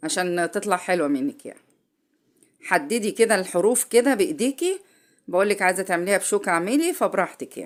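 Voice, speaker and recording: On a very clean recording with a silent background, a woman with an Egyptian accent speaks at medium pitch and a moderate pace. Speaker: home cooking video host. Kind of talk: cooking tutorial. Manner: casual, halting.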